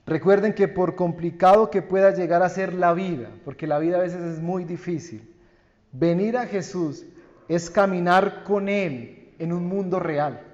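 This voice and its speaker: Slow, earnest Colombian pastor preaching. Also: male voice, high voice. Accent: Colombian Spanish. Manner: slow, earnest preaching with swells and hushed endings. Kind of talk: sermon. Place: church sanctuary. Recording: dull church recording with long reverb.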